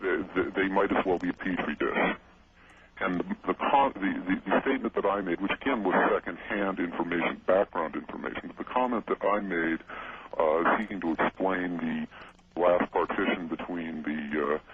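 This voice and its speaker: A man on a radio call-in, his voice run through a voice changer, speaking haltingly and often restarting his words. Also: low-pitched. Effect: voice changer disguising his voice. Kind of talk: radio interview. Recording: tinny phone line with loud hiss.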